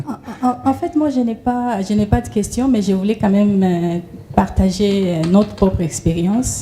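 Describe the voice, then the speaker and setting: Lively intonation from a woman at medium pitch and moderate pace, with noticeable background noise. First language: French. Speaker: journalist. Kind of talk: audience comment. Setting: conference room with audience.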